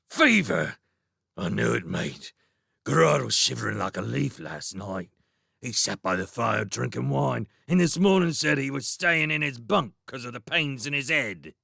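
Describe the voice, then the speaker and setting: A man voices a pair of lazy, boorish rat guards in a storybook reading. The voice is gravelly and husky, with a sharp, edgy brightness and wild swoops in pitch. They bluster and threaten in coarse slang. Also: expressive, a little slow, no echo, clean studio sound, heavily acted. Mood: scoffing. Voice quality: gravelly, rough-edged. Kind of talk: audiobook character voice.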